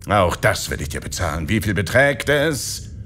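A man's voice: on the low side, big pitch swings, normal speed, over music. A man voicing a desperate captured thief who begs to be let go, frantic and pleading.

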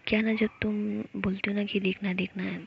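A sassy young woman lover, coy and quick to sulk, speaks in a whispered role-play, as a woman puts her on. A gravelly texture runs under the hushed voice, on a dull recording. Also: medium pitch, level tone.

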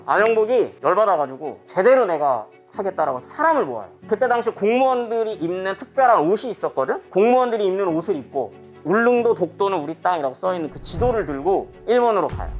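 Woman teacher, history lesson for children, animated storytelling, classroom, quizzes the class. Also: mid-range voice. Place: school classroom.

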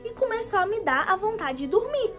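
A woman's voice: extremely high pitch, sing-song, fairly quick, bright, forceful tone, faint music behind. A young woman vlogger dramatically retelling a personal story to her viewers, acting out what people said. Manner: dramatic, retells scenes in quoted voices; addresses viewers as "galera" and "gente". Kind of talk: animated storytime vlog.

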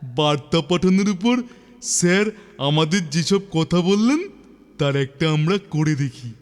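A man voicing a clever, eager cartoon schoolboy who panics easily, with exclamatory, drawn-out delivery. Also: on the high side, expressive, natural voice. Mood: eager, scheming. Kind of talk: children's cartoon dubbing. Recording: long reverb, clear music behind.

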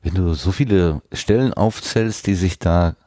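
A man's voice: low voice, measured pace, warm tone, dry recording, studio quality. A man hosting a conversational podcast interview, asking long questions that he rephrases as he goes. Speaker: podcast host interviewing a guest.

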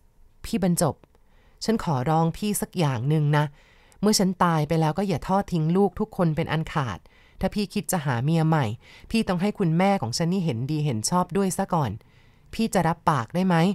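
A dying, bedridden mother speaks her last wishes in a trembling, tearful voice, as a woman narrator puts her on. The tone sits low, and the sound is close and dry, with no room around it. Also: fairly quick, darkish tone, dry recording, natural voice. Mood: stern, pleading.

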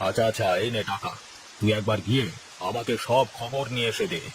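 A man voicing an anxious, generous village landlord in a cartoon, speaking low and pleading. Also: steady tone, fairly quick, slight background noise, close to an everyday voice, low-quality recording. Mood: worried. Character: worried old village landlord, male, generous. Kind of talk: cartoon voice acting.

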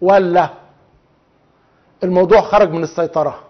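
A man's voice: high-pitched, steady tone, normal speed. A man with an Egyptian accent hosting a television talk show, speaking in an indignant, rhetorical way and calling out officials directly. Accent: Egyptian Arabic. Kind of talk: televised monologue. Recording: dull lo-fi TV audio.

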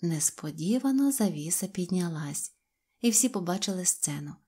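A woman reading a children's fairy tale aloud with gentle, expressive storytelling. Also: on the low side, moderate pace, slightly rough. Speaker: audiobook reader. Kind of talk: fairy-tale audiobook narration.

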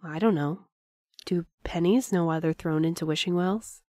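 A woman playing a thoughtful, dreamy young courier who speaks softly and muses philosophically. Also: on the low side, normal speed, dry recording, clean studio sound, lightly acted. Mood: musing. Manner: soft, musing, philosophical.

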